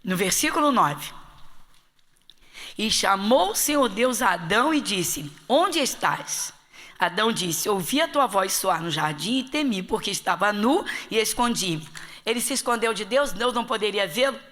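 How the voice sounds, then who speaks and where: A woman's voice: medium pitch, lively intonation, normal speed, fairly bright tone. A woman pastor from Rio de Janeiro teaching a Bible study class, with an emphatic style full of rhetorical questions to her listeners. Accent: Rio de Janeiro Portuguese. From Brazil.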